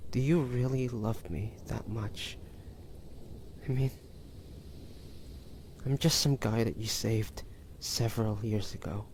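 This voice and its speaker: A man playing a weary, vulnerable young hunter in an intimate romantic audio drama, speaking haltingly and tenderly, with devotion. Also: medium pitch, slight background noise. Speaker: amateur voice actor.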